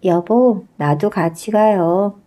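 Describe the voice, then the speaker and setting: A woman's voice: medium pitch, slow, mellow, close to an everyday voice. A woman voicing a mischievous male goblin who echoes everyone's words in a storybook tale. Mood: teasing mimicry. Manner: echoes the speech of others.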